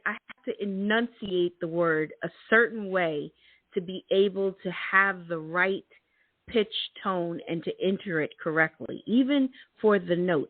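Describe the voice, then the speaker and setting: A middle-aged woman gives a motivational talk, hammering her key words with repetition. She speaks slowly and deliberately. The sound is dry and narrow, as if over a telephone line. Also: mid-range voice, no echo. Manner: emphatic, repeats key words, laughs often. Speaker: host. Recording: thin phone-like sound.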